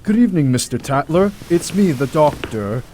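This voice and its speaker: A man's voice: on the high side, lively intonation, moderate pace, dark tone, slight background noise, natural voice. A man playing a formal, firm hospital doctor. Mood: courteous. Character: courteous but stern male senior hospital doctor. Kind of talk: amateur audio drama acting.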